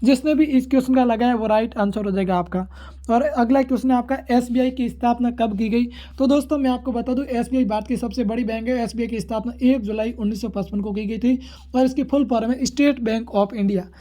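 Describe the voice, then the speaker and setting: Guy doing exam prep q and a, really quick talker, soft mellow tone, kinda repetitive. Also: very high voice, fairly even intonation. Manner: repetitive, formulaic question-and-answer delivery. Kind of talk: informal exam question walkthrough.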